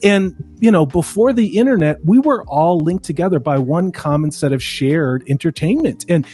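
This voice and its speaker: A man's voice: a little high, expressive, normal speed, warm tone, breathy edge. A man hosting a livestream in casual chat, with an eager, effusive manner. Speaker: livestream host.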